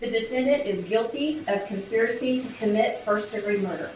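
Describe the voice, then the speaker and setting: A woman's voice: fairly high pitch, brisk. Woman court clerk in a very echoey courtroom. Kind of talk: formal reading of a verdict aloud. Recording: very echoey courtroom, distant and noisy.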